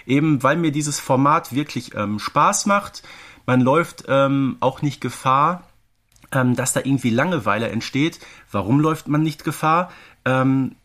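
A man's voice: medium pitch, animated, measured pace, a bit bright. A middle-aged man co-hosting a podcast, discussing audio dramas casually in an explanatory way with tag questions and asides. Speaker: podcast co-host.

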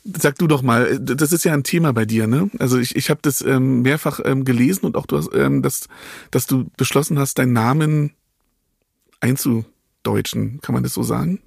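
A man's voice: mid-range voice, normal speed, vocal fry, breathy edge, dry recording, studio quality. A man hosting a podcast interview, talking casually and hesitantly with many fillers and restarts. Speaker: podcast host.

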